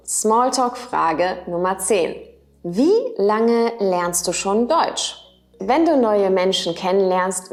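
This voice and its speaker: Female language teacher, unhurried, clear delivery, repeats example phrases for learners. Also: on the low side. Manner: careful, repeats example sentences slowly. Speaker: German teacher. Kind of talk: slow, clearly spoken language lesson.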